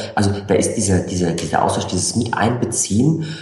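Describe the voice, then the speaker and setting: A man with a fairly low pitch is heard with audible room echo around him. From Germany, Koblenz. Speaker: coach and entrepreneur. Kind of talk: casual chat.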